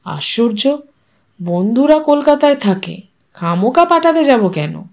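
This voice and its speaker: A woman voicing a withdrawn adult son in a storybook reading, giving him low, subdued, terse replies. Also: big pitch swings, a little slow, gravelly, darkish tone, exaggerated voice. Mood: flat refusal. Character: adult man, quiet, withdrawn, wry.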